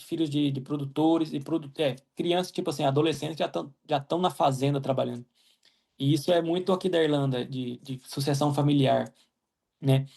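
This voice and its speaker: Gravelly Brazilian man, talking casually. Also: fairly high pitch, darkish tone. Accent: Brazilian Portuguese. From Mato Grosso, Brazil. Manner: many fillers and "né?" tags, restarts. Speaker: guest, agronomist living in Ireland. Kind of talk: casual interview answers.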